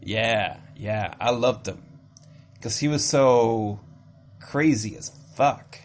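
A man hosting a podcast, chatting casually and teasing his co-host in a jokey, animated way. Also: mid-range voice, slow. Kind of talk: casual chat.

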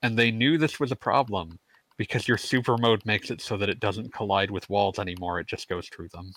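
A man with a fairly low, fairly bright voice talks at a fairly quick pace while co-hosting a casual gaming podcast. He rambles, stammers when restarting, stumbles over words, and often laughs mid-sentence. The audio quality is poor.

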